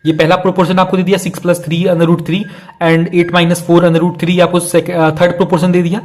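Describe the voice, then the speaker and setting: A man's voice: high voice, monotone, normal speed, a little mellow. Chatty young male math tutor. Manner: chatty, repeats key steps, calls students "yaar" and "bhai". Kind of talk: casual online math lesson.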